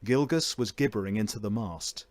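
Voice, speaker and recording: In a fairly low voice and at a moderate pace, a man narrates a short story with theatrical, emphatic delivery shaped like a voice-over performance. The dramatic fiction reading is recorded close and dry, with no room sound.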